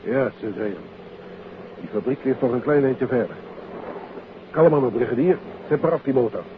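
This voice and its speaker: A Dutch actor playing a brisk, commanding police inspector in a 1950s radio play. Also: male voice, mid-range voice, lively intonation, natural voice. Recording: tinny, hissy 1950s radio recording.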